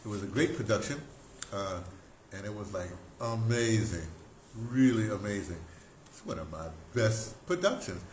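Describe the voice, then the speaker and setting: With a lowish voice at normal speed, an older American radio drama producer and talk host tells stories casually, excitable and animated, his phrasing broken and repetitive as he rambles. Roomy echo and clear background noise mark the recording.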